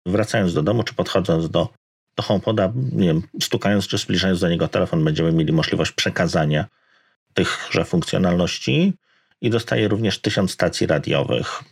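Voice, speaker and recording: A man's voice: deep voice, normal speed, creaky, slightly rough. A man co-hosting a casual tech podcast, explaining things and searching for words mid-sentence. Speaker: podcast co-host.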